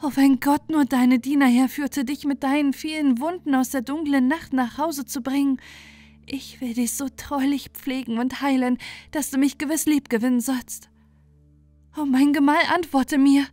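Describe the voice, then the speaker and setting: A woman voicing a gentle, devout young wife in a fairy tale, earnest and pleading in anguish. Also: high-pitched, fairly even intonation, moderate pace, voice pushed up, natural voice. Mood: tender, anxious. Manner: plaintive, earnest lamenting. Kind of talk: fairy-tale storybook acting. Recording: music bed under the voice.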